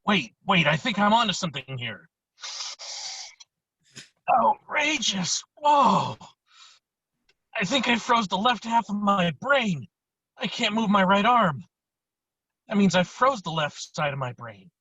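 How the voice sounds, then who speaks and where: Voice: medium pitch, sing-song, slow pace, long pauses, pushed and bright, husky, dry recording, heavily acted. A performer voicing a laid-back, spaced-out young slacker guy in an amateur script read, talking in slangy phrases. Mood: spaced-out, amazed. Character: wasted, laid-back slacker ski buddy, young man. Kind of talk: amateur virtual table read of a film script. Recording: dull, lo-fi online call.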